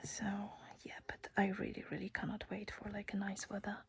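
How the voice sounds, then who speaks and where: A woman's voice: mid-range voice, completely flat delivery, fairly quick, vocal fry. A young woman whispering a casual personal story close to the mic, chatty and giggly.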